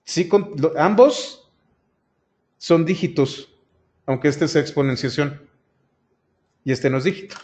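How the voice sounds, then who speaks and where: A man's voice: fairly high pitch, unhurried, long pauses, darkish tone. A male programming instructor, explaining a coding lesson step by step and speaking directly to his students. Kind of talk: screen-recorded coding lesson. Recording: dull lo-fi sound.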